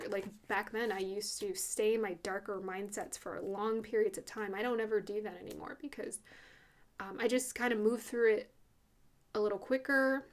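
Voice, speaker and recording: A woman talks through a spiritual card reading in an easy, chatty way. She sounds earnest and open, dropping fillers and soft laughs as she goes. Her voice sits at an ordinary middle pitch. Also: a little hiss or hum. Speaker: spiritual reader doing a tarot card reading. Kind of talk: casual channeled card reading.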